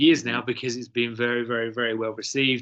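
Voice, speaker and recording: A man's bright, sharp tone in a flat monotone. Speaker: eyewear sales representative. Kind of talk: product presentation. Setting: virtual trade show.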